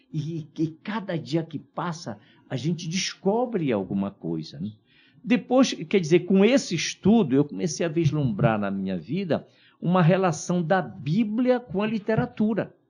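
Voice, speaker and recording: Over a quiet background, a man speaks in a dark, mellow tone. His pace is moderate, with very wide pitch swings. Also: big swings in loudness. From Brazil, Belém, Pará. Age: 60s. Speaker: pastor. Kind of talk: podcast interview. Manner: halting, many fillers.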